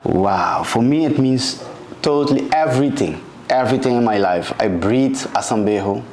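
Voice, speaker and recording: A man's voice: mid-range voice, animated, normal speed, a little mellow. A man with an Aruban accent, a musical director talking in an interview with emphatic repetition. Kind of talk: casual interview.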